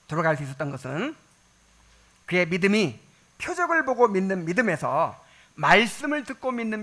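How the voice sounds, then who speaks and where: A man's voice: high-pitched, bright, forceful tone. A man preaching a sermon as pastor, talking conversationally and asking the congregation questions.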